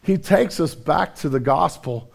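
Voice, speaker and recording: A male pastor preaching a sermon, hoarse and raspy from a cold, earnest and self-deprecating in a conversational way. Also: on the high side, animated, measured pace.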